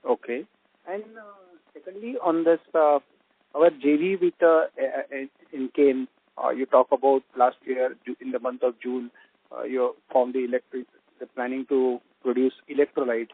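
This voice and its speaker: A man's voice: mid-range voice, little pitch movement, moderate pace, phone-quality sound. An Indian man, an analyst calling in by phone, asking hesitant and repetitive questions on an earnings call. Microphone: telephone.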